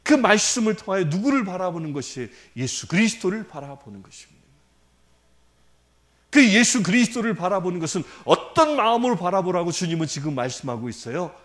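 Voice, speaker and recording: Man, priest, sermon, animated, rhetorical questions, high-pitched. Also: a little fast.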